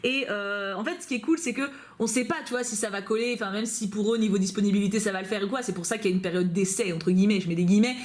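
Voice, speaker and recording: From the couch in her home, dog nearby, a female YouTuber responds to fan mail, talking to camera at a very fast clip with hardly any pauses. Her medium-pitched voice sounds bubbly and casual, loaded with fillers and tangents.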